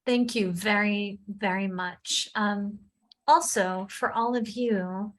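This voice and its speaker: A woman's voice: medium pitch, fairly even intonation, slow pace. A woman facilitating an online meeting in a friendly, informal way with some fillers.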